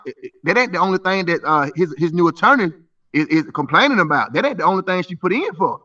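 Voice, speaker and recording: A man's voice: sits high, pushed and bright. A man in his thirties arguing insistently in a live stream debate, stumbling through repeated restarts. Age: 30s. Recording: muffled voice from a distance.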